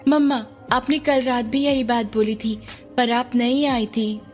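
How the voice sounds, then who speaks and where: A woman voicing an innocent six-year-old girl who talks in a slow, drawn-out, pleading way. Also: fairly high pitch, steady tone, soft background music, voice pushed up, lightly acted. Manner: pleading, drawn-out childlike speech. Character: young girl, six or seven, innocent and clingy.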